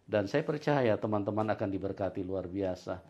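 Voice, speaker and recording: A man's voice: fairly low pitch, animated, normal speed, a little mellow. A man hosting a church interview, introducing the guest and drawing out his story with brief encouraging prompts. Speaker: interview host. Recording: dull lo-fi sound.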